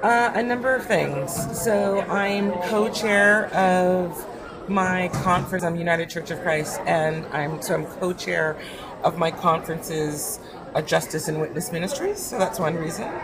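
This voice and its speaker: A woman attending a conference who leads a workshop, answering in a halting, unscripted way. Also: lowish voice. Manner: halting, with fillers and restarts. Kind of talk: casual interview answer. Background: crowd chatter.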